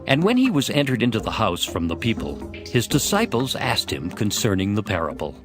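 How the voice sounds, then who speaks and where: A man narrates scripture in a formal, measured way. His fairly low voice rises and falls in a lively range over clear background music. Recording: music under the voice.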